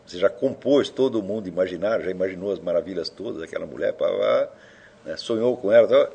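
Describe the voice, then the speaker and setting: A man's voice: low voice, fast talker, gravelly, mellow, husky. A man giving an informal lecture, provoking his listeners with rhetorical questions and casual swearing.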